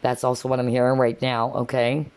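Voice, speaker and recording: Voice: medium pitch, completely flat delivery, fairly quick, a little mellow, smooth. A tarot card reader talking casually to viewers in a conversational way, often checking in with a short questioning tag. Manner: conversational, frequently checks in with "okay?".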